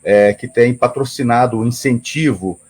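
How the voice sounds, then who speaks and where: A man's voice: medium pitch, moderate pace, a little mellow. A middle-aged man, explaining things as an interview guest in formal, wordy phrasing. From Paraná, southern Brazil. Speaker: interview guest, association president.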